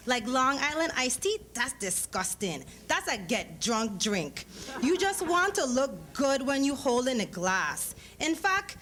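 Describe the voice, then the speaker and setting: A brash teenage girl as a woman reads her in a short story, streetwise and full of instructions. Her voice is fairly high and emphatic. The live recording has slight noise behind it. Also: fairly bright tone, heavily acted. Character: bossy, streetwise teenage girl coaching her friend on clubbing.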